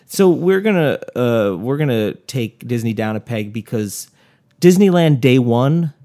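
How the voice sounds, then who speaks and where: A man who has lost his voice, gravelly and hoarse, co-hosting a casual comedy podcast and telling a story with jokes along the way. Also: medium pitch, lively intonation, measured pace, dark tone. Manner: joking, storytelling with asides. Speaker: podcast co-host.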